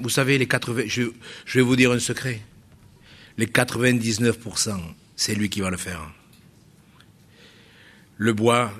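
Husky-voiced man preaching a sermon. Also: lowish voice, a bit bright. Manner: emphatic preaching with frequent repetitions and rhetorical questions. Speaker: pastor. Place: church service.

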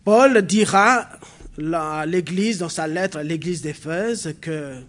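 With a high-pitched, somewhat bright voice, a man from New Caledonia gives a sermon in a church hall. A local New Caledonian language is his first tongue, and he begins haltingly with fillers before building to emphatic preaching.

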